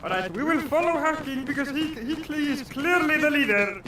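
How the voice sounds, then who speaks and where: A man's voice: very high-pitched, expressive, normal speed. A young man gaming with friends over voice chat, bossy and mock-pompous as squad leader. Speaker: gamer. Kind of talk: playful in-game voice chat. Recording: game engine noise behind.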